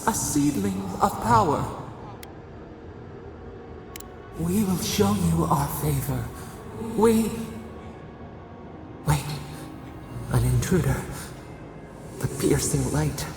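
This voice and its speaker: Tormented old deity: very slow, gravelly, pleading yet menacing, drenched in long reverb. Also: mid-range voice, lively intonation, exaggerated voice. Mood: insistent, coaxing. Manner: slow, grieving, speaks of itself as we. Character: anguished ancient imprisoned god, collective, pleading and menacing. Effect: echoing reverberant god-voice processing. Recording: cavernous reverb, distant, music behind.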